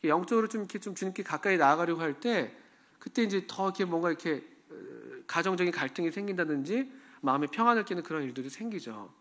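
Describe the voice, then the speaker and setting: A man gives a sermon in a church, his voice a little higher than most men's. He talks to the congregation in an easy, conversational way and often puts questions to them. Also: animated, quick pace, a bit bright. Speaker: pastor.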